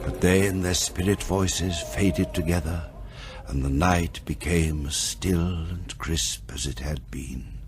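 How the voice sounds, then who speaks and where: A man narrating a classic ghost tale for a radio drama, with deliberate, dramatic literary phrasing. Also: deep voice. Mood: measured, wry. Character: measured male storyteller of a classic ghost tale. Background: music.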